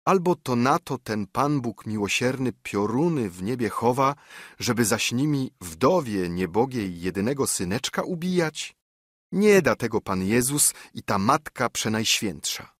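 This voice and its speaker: A man's voice: medium pitch, expressive, unhurried, dry recording, studio quality, voice pushed up. A man voicing an old widowed mother who soothes her frightened son in a coaxing, sing-song way. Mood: soothing.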